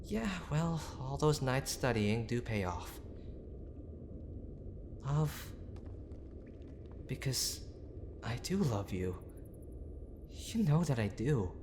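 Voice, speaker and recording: Man acting a worried young boyfriend, slow and halting. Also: medium pitch, lively intonation, background noise. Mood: tender, confessing. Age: young adult. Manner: halting, pleading, with sighs and breathy asides. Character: gruff, tender young boyfriend, a medical student, desperately worried. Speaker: voice actor in audio roleplay. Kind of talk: intimate dramatic boyfriend roleplay.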